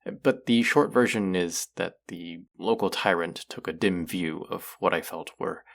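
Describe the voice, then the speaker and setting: A man acting an earnest, gently wry thousand-year-old immortal in an intimate audio roleplay, speaking in a hesitant, confiding way. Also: deep voice, a little slow, vocal fry. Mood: reassuring, wry. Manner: hesitant, confessional, softly reassuring.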